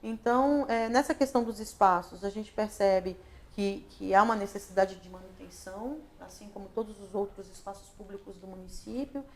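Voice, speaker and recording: A Brazilian woman with a medium-pitched, slightly mellow voice speaks at normal speed during a casual interview on a local talk show broadcast on social media. An actress, director and lighting designer, she reflects thoughtfully, habitually adding "né?" and beginning her phrases again.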